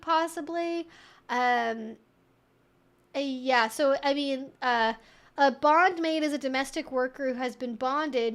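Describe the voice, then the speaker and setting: A woman's voice: sits high, fairly bright tone. A woman hosting a casual livestream, chatting to viewers in a playful, wry, mock-serious way and often giggling as she talks. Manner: giggles often while talking. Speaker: livestream host.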